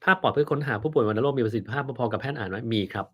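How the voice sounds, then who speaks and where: A man's voice: medium pitch, very fast, husky. A man, a doctor, reading out viewer questions on a live stream and answering them bluntly, with a dry sense of humor.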